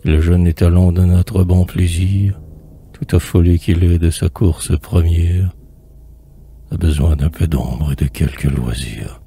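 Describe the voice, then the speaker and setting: A man's voice: sits low, steady tone, a little slow, warm tone, slight background noise. A man reciting poetry in a solemn, theatrical manner, drawing out phrases and at times sinking toward a whisper. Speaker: poetry reader.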